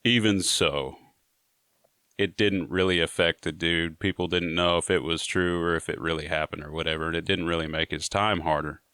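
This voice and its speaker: A man's voice: sits low, steady tone, normal speed, sharp tone, clear, resonant tone, dry recording, studio quality. A man telling a prison story to his viewers in a casual, laid-back way, often saying "you know". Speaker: storyteller sharing prison stories.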